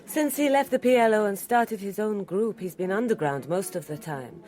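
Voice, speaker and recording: A woman playing a committed Lebanese Arab activist in a radio drama, assured, formal and deliberate. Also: mid-range voice, darkish tone, close to an everyday voice. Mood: cool, assured.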